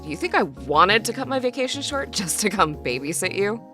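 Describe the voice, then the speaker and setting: A woman's voice: mid-range voice, sing-song, brisk, over music, close to an everyday voice. A woman voicing a bossy, condescending female crime-syndicate grunt in a fan parody cartoon, with cutting delivery. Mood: scornful.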